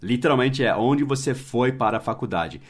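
A man's voice: mid-range voice, animated, husky. A man hosting a casual podcast lesson, patiently explaining and spelling words out letter by letter. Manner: slows down to model English phrases, adds tag questions. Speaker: English teacher and podcast host.

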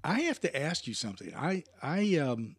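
Friendly podcast host who clears his throat. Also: on the high side, very animated, moderate pace, no echo, studio quality. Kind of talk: casual interview chat.

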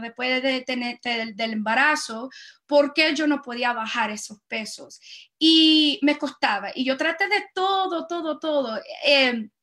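High bright woman telling her story. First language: Spanish, Portuguese spoken at home. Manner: halting, many fillers and restarts. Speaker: guest. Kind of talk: personal story in an interview.

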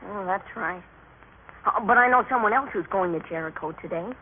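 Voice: medium pitch, a little fast, narrow, tinny audio, natural voice. An actor playing an earnest, respectful young boy, a loyal son, in an old radio drama. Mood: eager, earnest. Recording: noisy, band-limited vintage radio recording.

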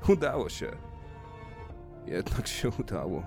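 A man voicing an angry, grim male spaceship crewman who shouts accusations, in an audiobook reading. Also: fairly low pitch, moderate pace, over music, close to an everyday voice. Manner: shouting insults, then cold and quiet.

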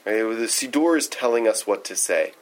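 A man's voice: on the low side, expressive, moderate pace, slight background noise. A man leading a text study, giving an informal, thoughtful lecture and often checking in with his listeners.

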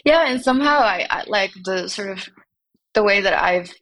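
A woman's voice: mid-range voice, expressive, normal speed, fairly bright tone, poor audio. A young woman from Finland, a startup founder, talking through her ideas thoughtfully with many fillers and restarts in an interview. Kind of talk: conversational interview.

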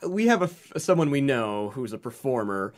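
Lively wisecracking podcast man. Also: mid-range voice, normal speed. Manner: wisecracking, playful. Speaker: podcast co-host. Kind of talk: casual chat.

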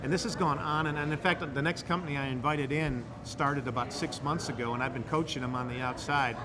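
A Midwestern man, an incubator director, is a guest on a casual podcast interview. His voice is on the high side with fairly even intonation, and he talks fairly quickly, explaining at length in a rambling, enthusiastic way with frequent restarts. Crowd noise can be heard.

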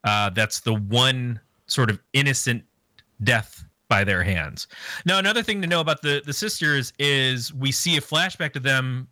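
A man's voice: medium pitch, animated, normal speed, bright, forceful tone, no echo. A man casually recapping a movie plot on a podcast, rambling and joking crudely. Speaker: podcast co-host. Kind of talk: casual movie review chat.

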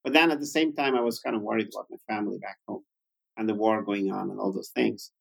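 A man's voice: fairly low pitch, steady tone, fast talker, vocal fry, slightly rough, poor audio. A man in his fifties from Iran, a native Farsi speaker, telling his story conversationally as an interview guest. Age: 50s. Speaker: interview guest, tech founder.

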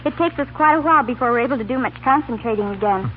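A woman's voice: on the high side, very fast. Young female student guest, scripted interview delivery, tinny 1930s radio recording with light noise. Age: young adult.

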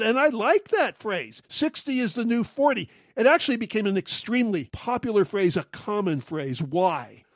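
Male host, sixties, wry and animated, pitched high, dry studio sound. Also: dry recording. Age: 60s. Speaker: podcast host. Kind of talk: solo talk show monologue.

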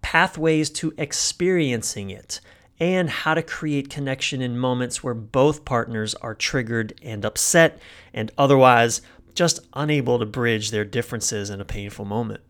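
A man's voice: mid-range voice, a little slow, fairly bright tone. A man hosts his own podcast, first introducing the episode and then chatting with a guest. He talks in a casual, enthusiastic way and sounds openly engaged with the conversation. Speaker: podcast host.

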